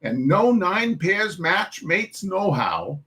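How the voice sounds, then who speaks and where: A man's voice: high voice, sing-song, pushed and bright, pitched above the performer's own voice, heavily acted. A man voicing a bustling, bossy mother of a big poor family, with an attempted urban Irish dialect. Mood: brisk. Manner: brisk, ordering people about. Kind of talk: storybook reading.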